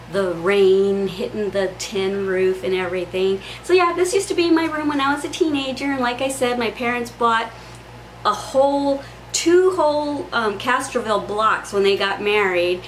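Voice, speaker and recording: A woman in her forties giving a chatty, rambling home tour vlog, full of ums, filmed in a small pink bedroom on a camera mic. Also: mid-range voice. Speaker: craft vlogger. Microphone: camera mic on a tripod. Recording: echoey room, faint background hiss.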